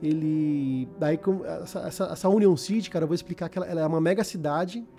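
A man's voice: fairly high pitch, fast talker, dark tone, faint music behind. A man with a Brazilian Portuguese accent explaining a video game in casual, informal podcast talk, repeating words as he goes.

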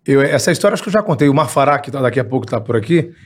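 A man's voice: mid-range voice, breathy edge. A man, a podcast guest telling stories with jokes in casual chat. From Ceará, Brazil. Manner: fast, animated storytelling with jokes.

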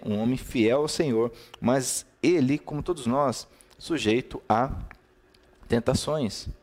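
A preacher with a Brazilian Portuguese accent hosts a streamed devotional talk in an easy, conversational manner. He goes through key words one at a time and greets viewers by name between points. His middle-pitched voice is a little mellow.

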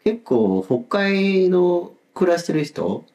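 A man's voice: high-pitched, big pitch swings, slow, a little mellow, lo-fi sound. A man with a Kansai accent, co-hosting a casual podcast chat and laughing often. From Japan. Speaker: co-host.

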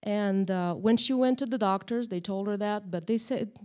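Woman, Bible class teacher, chatty, lots of "right?", mid pitch. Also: moderate pace. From Moldova. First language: Russian or Romanian. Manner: chatty, animated, tag questions. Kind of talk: church Bible lesson. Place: church room, in front of a group.

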